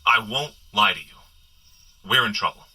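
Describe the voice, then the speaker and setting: An actor playing a sheepish, wisecracking hungover superhero, chatting and rambling self-deprecatingly in a comedic audio drama. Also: male voice, lowish voice, lively intonation, moderate pace, sharp tone, slightly rough, exaggerated voice.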